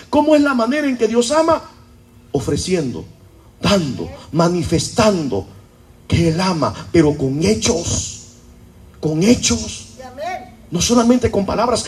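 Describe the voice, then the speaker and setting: High-voiced preaching man. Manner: preachy, keeps asking the congregation rhetorical questions. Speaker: pastor. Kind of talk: sermon. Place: church service.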